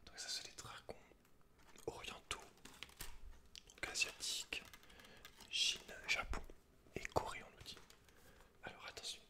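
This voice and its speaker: A man speaks in a breathy, unvoiced whisper, informal and close to the listener, as in an ASMR reading. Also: measured pace, pauses often. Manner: informal, slangy, talks directly to one listener. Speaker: ASMR creator. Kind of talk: whispered ASMR, casual commentary and reading aloud from a book.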